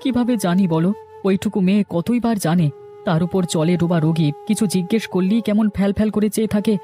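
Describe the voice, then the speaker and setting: A man's voice: sits high, brisk, dark tone, lightly acted. A man voicing a poor, kind fisherman in a cartoon story, earnest and exclamatory. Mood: earnest, tender. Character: poor, tender-hearted fisherman husband. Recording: music under the voice. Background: music.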